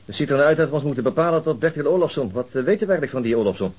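Quick, husky police inspector. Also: male voice, a little high, lively intonation, a little mellow. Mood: businesslike, pondering. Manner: brisk, commanding. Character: brisk male police inspector, leading his team, businesslike. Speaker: actor. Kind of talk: radio drama dialogue.

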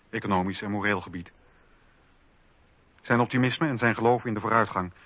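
A man's voice: fairly low pitch, sharp tone, dry recording. A man narrating a scripted historical documentary drama for radio. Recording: dry, slightly dull radio recording.

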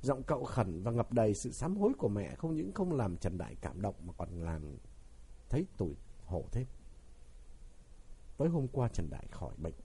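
Brief: male narrator, husky voice, lively pitch, dramatic novel reading. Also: moderate pace.

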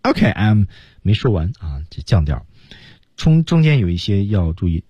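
A man teaching English on a radio lesson, explaining phrasing and linking of sounds in a husky voice. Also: sing-song, normal speed, dark tone, dry recording, muffled recording. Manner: explains phrasing, then acts out film lines in a high voice. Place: radio studio.

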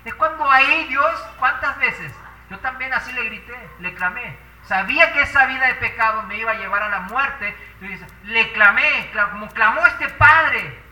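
A man's voice: extremely high pitch, lively intonation, normal speed, bright, forceful tone, roomy sound, distant mic, poor audio. A man preaching a sermon with passion, asking the congregation rhetorical questions.

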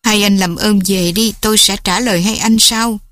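Woman playing a gentle worried mother, soothing, imploring, dry close sound. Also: medium pitch, fairly even intonation, normal speed, no room sound, natural voice.

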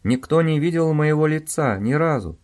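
A man's voice: a little high, animated, moderate pace, a little mellow, voice pushed up, natural voice. A man voicing a frightened accomplice who pleads and swears he did nothing wrong. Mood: pleading. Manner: pleading, whining. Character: whiny, frightened male accomplice.

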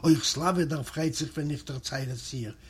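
Husky man reading with a Yiddish accent. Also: fairly high pitch, moderate pace. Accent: Eastern European Yiddish. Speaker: audiobook reader. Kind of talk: literary reading of a memoir.

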